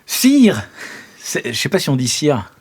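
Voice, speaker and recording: A man's voice: medium pitch, huge pitch swings, a little slow, vocal fry, a little mellow, husky, full character voice. A man voicing a cowardly male adventurer who hesitantly pleads with the king, fumbling for the right courtly address. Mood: earnest pleading.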